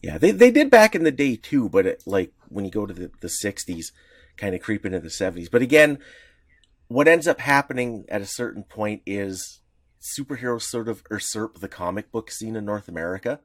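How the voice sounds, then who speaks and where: Low-voiced rambling male co-host, dry sound. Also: very animated, dry recording. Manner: rambling, halting, many restarts. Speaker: podcast co-host. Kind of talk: casual podcast chat.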